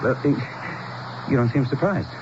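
An actor playing an earnest, anxious townsman and guide, halting and persuasive, in a 1970s radio drama style. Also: mid-range voice, animated, natural voice. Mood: urgent, astonished. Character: earnest, anxious male town guide pleading with an outsider. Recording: noisy, muffled old radio broadcast.

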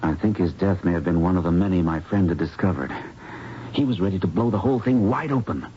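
Deep, grave male investigator played by an actor. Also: fast talker, warm tone, lightly acted. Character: earnest protective male investigator doctor in love. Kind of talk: 1970s radio drama acting. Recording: muffled noisy old radio recording.

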